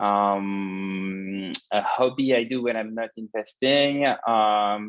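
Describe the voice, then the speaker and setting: With a French accent, a man talks with ordinary pitch variation. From France. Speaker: venture capital investor. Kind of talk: panel discussion.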